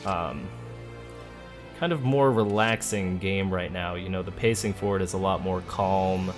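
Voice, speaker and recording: Male let's play host, lower-pitched voice, casual and chatty, talking through moves over background music. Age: adult, parent of a school-age child. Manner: relaxed, chatty, thinking aloud. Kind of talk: casual gameplay commentary. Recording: game music behind the voice. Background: video game music.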